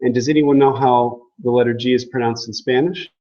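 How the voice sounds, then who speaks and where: A man's voice: mid-range voice, steady tone, a little fast, dark tone, muffled recording. A man giving a casual classroom lecture on language, joking and asking the class questions. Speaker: language teacher.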